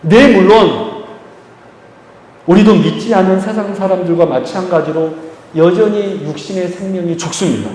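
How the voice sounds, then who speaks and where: A man preaching a sermon as pastor, stressing phrases slowly and leading the congregation in call-and-response. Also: high voice, a little mellow. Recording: echoey church hall, faint ambience.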